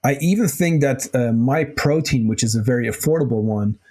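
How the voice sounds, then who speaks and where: A man hosting a nutrition podcast, answering listener questions in a casual, loose way, a little hoarse, with plenty of fillers and the odd swear. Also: medium pitch, brisk, darkish tone. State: slightly hoarse, clears throat. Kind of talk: casual solo Q&A talk.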